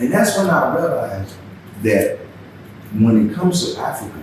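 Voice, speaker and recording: An animated man with very wide pitch swings, audible room echo and noticeable background noise. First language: not English. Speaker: business consultant. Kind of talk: casual interview.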